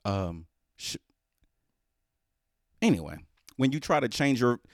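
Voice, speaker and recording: A man's voice: medium pitch, sing-song, measured pace, vocal fry, no echo. Emphatic man with African American accent, close dry sound. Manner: emphatic, repetitive, profane. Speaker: panelist in a group discussion. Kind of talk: casual chat.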